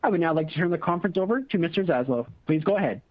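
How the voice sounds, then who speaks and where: Lively, higher-pitched male conference operator. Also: racing, no room sound. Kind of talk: scripted call announcement. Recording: dull lo-fi conference call audio.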